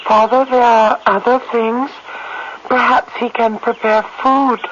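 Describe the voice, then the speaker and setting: An actress playing a gentle, devoted young tribal woman in a radio drama, earnest and simply formal in her phrasing. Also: on the high side, fairly even intonation, unhurried, lightly acted. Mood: pleading. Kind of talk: 1970s radio drama acting. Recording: muffled, hissy old radio recording.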